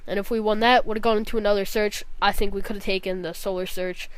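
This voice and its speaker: A woman's voice: mid-range voice, steady tone, fast talker, clean tone, no echo. A young woman with a nasal, congested voice from a cold, giving a casual, rambling gaming vlog. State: sick with a cold, scratchy throat, nasal. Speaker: gaming vlogger.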